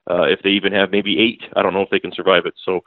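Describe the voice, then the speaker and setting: A man with a lowish voice breaks down a football game in long, rambling runs, restarting his sentences and dropping fillers. He comes through a thin, tinny phone line with no room sound. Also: little pitch movement, fast, no echo. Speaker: sports beat writer guest. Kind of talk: casual sports analysis. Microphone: phone call.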